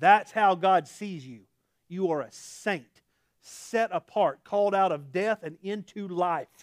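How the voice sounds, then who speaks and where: In an Oklahoma accent, a man speaks very slowly at a high pitch with ordinary pitch variation. His loudness swings a lot, and the sound is dry and close with no echo. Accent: Oklahoma Southern US. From Oklahoma, US. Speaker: pastor. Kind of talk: sermon. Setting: church. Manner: informal, filler words.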